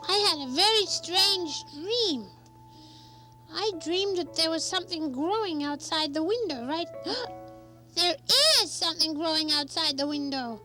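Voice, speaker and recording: Very high boy voice, excitable, swooping, slow, music underneath. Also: heavily acted. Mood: excited. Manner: excitable, exclaiming. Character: excitable young boy hero, quick to anger.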